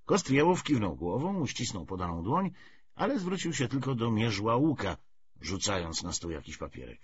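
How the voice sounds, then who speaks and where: A man reading a novel aloud as an audiobook narrator in an expressive, scripted style. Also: on the low side, normal speed, lo-fi sound, slight background noise.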